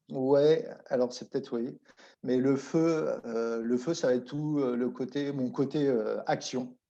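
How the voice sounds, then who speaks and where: Speaking at a very slow pace, a man holds a medium pitch with fairly even intonation. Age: 40s. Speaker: relationship coach. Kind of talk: casual interview.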